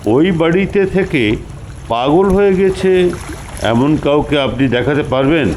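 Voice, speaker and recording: Animated male storyteller, fairly high voice. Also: a little slow, slight background noise. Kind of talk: expressive story narration.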